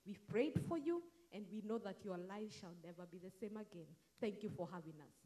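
A woman's voice: mid-range voice, expressive, a little fast. A woman, a pastor's wife, thanking the congregation and praying over them in church. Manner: warm, prayerful and gracious. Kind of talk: church address.

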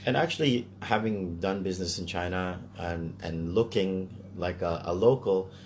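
A man's voice: low-pitched, moderate pace, darkish tone, slight background noise. A Canadian man talking casually in a discussion, hesitant as he thinks aloud.

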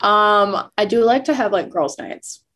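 A woman's voice: medium pitch, unhurried, fairly bright tone, husky. A chatty young woman in her early twenties, talking as a guest on a casual podcast. She strings her thoughts together with plenty of "like" fillers. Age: 20s. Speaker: guest photographer. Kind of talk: casual chat.

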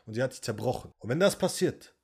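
A man's voice: mid-range voice, lively intonation, quick pace, gravelly, darkish tone, breathy edge. A man giving a blunt, confrontational coaching monologue, lecturing the listener directly and sometimes mocking them in a whiny voice. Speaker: men's coach.

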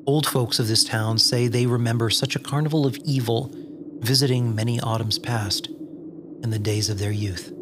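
A man playing a wary, exasperated wasteland survivor in a dark comedy audio drama, terse and cautious, with music behind. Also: mid-range voice, fairly even intonation, moderate pace, background noise, lightly acted. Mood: hushed, grave. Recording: music under the voice.

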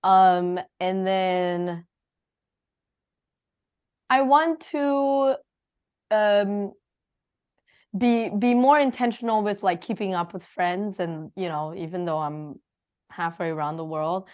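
A young woman hosting a casual podcast over a call, talking in a chatty, loose way full of fillers and quick giggles. Her voice sits at an ordinary middle pitch for a woman. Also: smooth, dull audio. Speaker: podcast host. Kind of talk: casual chat.

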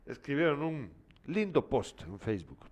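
A man's voice: mid-range voice, very animated, normal speed, slight background noise. A man co-hosting a news talk show. He reads viewer messages aloud and answers them with scolding, exasperated opinions in a casual, conversational way.

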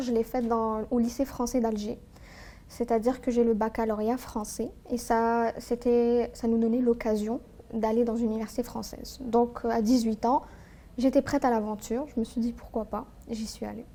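Mellow-voiced woman. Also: on the high side, level tone, normal speed. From Algeria. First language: Algerian Arabic. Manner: earnest, thoughtful, with frequent hesitations. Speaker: guest, tax lawyer. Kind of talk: personal interview, recounting her life.

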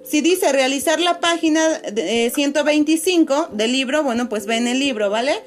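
Woman, schoolteacher, patient, filler-heavy, video call, high voice, faint music behind. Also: normal speed. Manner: patient, many fillers, calls pupils "chicos" and "corazones". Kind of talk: online class video call.

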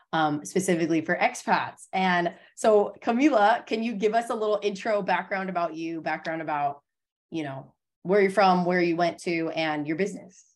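Low-voiced American woman hosting a podcast. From United States. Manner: upbeat, promotional intro then chatty questions. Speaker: podcast host. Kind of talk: podcast interview.

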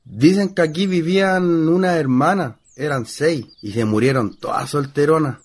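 Young rural male, fairly high voice, superstitious, jittery, gossipy, folksy Chilean country accent, radio play. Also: moderate pace, slightly rough. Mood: confiding, earnest. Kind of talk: stage-style radio play acting.

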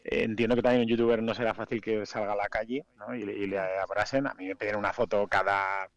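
A man's voice: lowish voice, little pitch movement, fast, no echo. A man from Spain with a Spain Spanish accent, a DJ guest talking casually and frankly in a radio interview, trailing off into fillers.

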